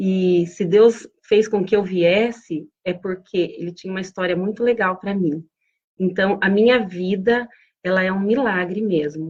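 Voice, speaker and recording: A woman uses a normal speaking voice at medium pitch, speaking at a fairly slow pace with fairly even intonation. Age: 40s. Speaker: artist sharing her life story. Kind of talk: testimony. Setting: live video stream.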